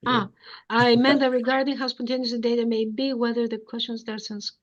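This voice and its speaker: Middle-aged woman professor, fairly high voice, careful explanatory Q&A, thinking aloud, dull muffled call audio. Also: level tone, brisk. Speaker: professor answering audience questions. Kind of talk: academic lecture Q&A.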